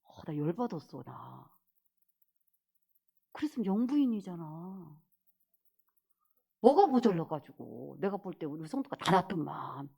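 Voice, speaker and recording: Woman pastor, lively swooping voice, scolding, loud then whispering. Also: lowish voice, measured pace, creaky, pauses often, husky. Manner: animated and scolding, swinging between loud exclamations and whispered asides. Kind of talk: sermon.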